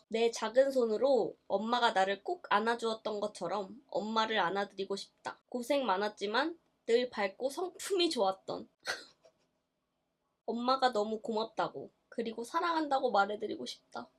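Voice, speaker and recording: A woman's voice: fairly high pitch, moderate pace. A young woman vlogging, reading a book aloud in casual chat and reacting expressively with gasps and laughs. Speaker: YouTuber.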